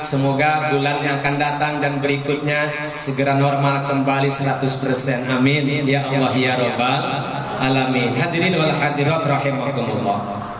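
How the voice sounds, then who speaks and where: A man with a Sundanese Indonesian accent preaching to a gathering as a Muslim preacher, in an emphatic, folksy way, putting rhetorical questions to his listeners. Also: medium pitch. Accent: Sundanese-region Indonesian. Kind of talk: religious sermon to a gathering, mixing languages. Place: large echoing venue at a school event. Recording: echoey hall PA, distant, crowd behind.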